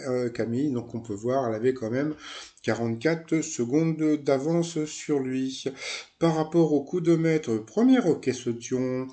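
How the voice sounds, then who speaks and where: A man's voice: mid-range voice, dark tone. A man casually recapping a TV quiz show episode, rambling with many fillers, asides and self-corrections.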